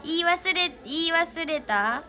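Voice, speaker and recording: Bright high-voiced young woman. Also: animated, takes it slowly, faint music behind. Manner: chatty, thanks fans by name. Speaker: idol reading fan names. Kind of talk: casual livestream chat.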